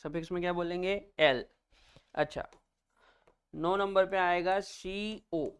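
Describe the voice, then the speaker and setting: A man's voice: high voice, fairly even intonation, slow pace, fairly bright tone, clean tone. A male chemistry teacher giving a classroom lecture, naming each term, then asking students to repeat it back, calling them children.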